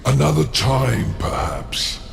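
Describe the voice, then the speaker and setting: An actor voicing a sly, smug, lordly demon in a video game, speaking in a measured, pompous, theatrical way. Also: male voice, medium pitch, sing-song, creaky, slight background noise, heavily acted. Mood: smug dismissal. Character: sly, lordly demon schemer, smugly amused.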